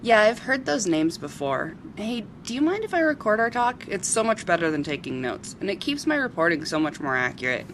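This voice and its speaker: A woman's voice: mid-range voice, sing-song, brisk, few pauses, background noise, close to an everyday voice. A woman playing a friendly, inquisitive news reporter from Ohio in an amateur radio drama, chatty and polite. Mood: friendly, curious.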